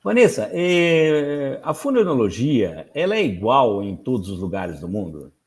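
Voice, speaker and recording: A man's voice: mid-range voice, very animated, a little slow, darkish tone. A Brazilian man hosting an interview, reacting with brief affirmations and asking questions. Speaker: interview host. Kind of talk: casual interview.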